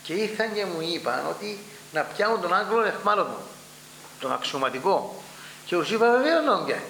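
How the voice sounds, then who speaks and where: Older cypriot guy telling old stories, gravelly voice, acts out the dialogue, echoey room with a faint hum. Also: high voice. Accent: Cypriot Greek. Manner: animated storytelling, acts out dialogue. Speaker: interviewee. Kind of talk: oral history recollection.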